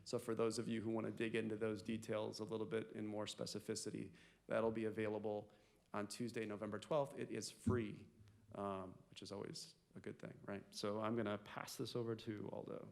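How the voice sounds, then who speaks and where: A man presenting at a data conference, informal and halting, with fillers between his points. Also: lowish voice, level tone, creaky, a little mellow. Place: conference room.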